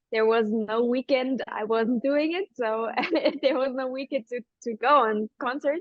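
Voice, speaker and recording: A woman with a German accent, high pitch, ordinary pitch variation and a fairly slow pace. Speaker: singer. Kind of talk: interview. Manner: halting.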